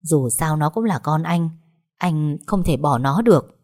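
A woman voicing a quiet, guilty young husband in an audio story, speaking low and pleading. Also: animated, a little slow. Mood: hushed.

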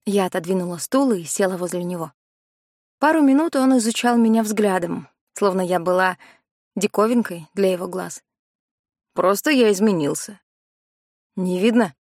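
A woman's voice: mid-range voice, normal speed, darkish tone, dry recording, clean studio sound. A woman narrating a first-person novel as an audiobook.

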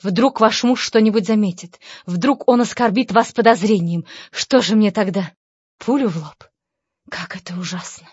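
A woman doing a lisping, frantic gentleman. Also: mid-range voice, moderate pace, husky, dry recording, lightly acted. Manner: melodramatic, despairing exclamations. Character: flustered nervous gentleman suitor, man, lisping. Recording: slightly dull dry recording.

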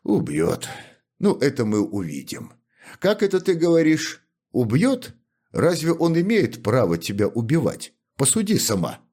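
A gruff, commanding old butler, as a male reader puts him on, issues orders in this storybook reading. His stern voice sits slightly raised and moves with lively inflection. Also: medium pitch, unhurried, voice pushed up, exaggerated voice. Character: stern, bossy older male house butler. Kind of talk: audiobook character reading.

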